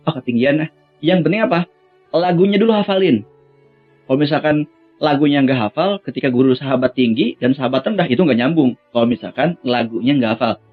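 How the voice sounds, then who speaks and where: A young man coaching Quran recitation gives a casual, friendly lesson, treating viewers as friends and breaking into melismatic sung chant demonstrations. His voice is on the high side and narrow, and the audio is tinny.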